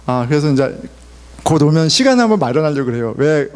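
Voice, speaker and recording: A man's voice: fairly high pitch, sing-song, fast talker, a little mellow, long reverb tail. A male pastor in his forties preaching a sermon in a conversational way, asking the congregation questions and telling family stories. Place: church sanctuary.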